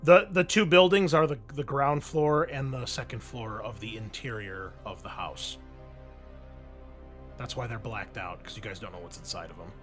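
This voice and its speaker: A man's voice: mid-range voice, normal speed. Casual male game master over music. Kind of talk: casual online tabletop roleplaying game talk. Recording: music under the voice. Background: background music.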